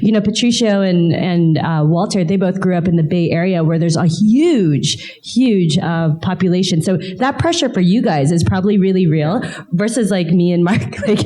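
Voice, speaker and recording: A woman's voice: fairly low pitch, animated, moderate pace, hardly any pauses, warm tone. A woman with an American accent chatting lightheartedly as co-host of a live panel. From born in Germany, raised in Washington State. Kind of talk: casual chat on panel. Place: live comic convention panel before an audience.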